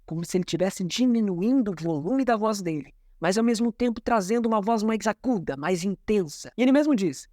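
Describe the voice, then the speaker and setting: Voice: mid-range voice, expressive, brisk, few pauses, darkish tone, no echo, studio quality. A communication coach, explaining a talk in didactic commentary and repeating key terms.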